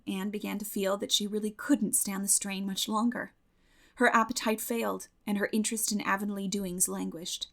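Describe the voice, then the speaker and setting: A woman audiobook narrator reading literary fiction expressively, with measured storytelling phrasing. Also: mid-range voice, creaky.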